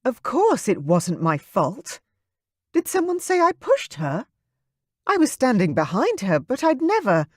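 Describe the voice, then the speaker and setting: An audiobook reader voicing a pregnant young woman who is emotional and quick to anger, in a raised, intense voice. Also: very animated, no room sound, studio quality. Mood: indignant. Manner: high-pitched, intense, loud. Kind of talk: audiobook character voice.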